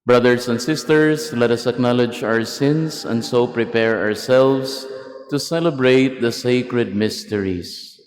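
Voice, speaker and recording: Male Catholic priest, mid-pitched, formal liturgical delivery, strong cathedral echo. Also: a little slow, faint music behind. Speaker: Catholic priest presiding at Mass. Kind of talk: liturgical prayer recitation. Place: large church, cathedral-like echo. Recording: echoing cathedral-like hall, long reverb.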